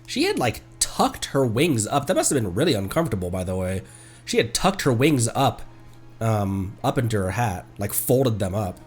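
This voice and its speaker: A man's voice: on the low side, big pitch swings, normal speed, faint music behind. A man giving casual, playful reaction commentary as a game streamer, with wry asides.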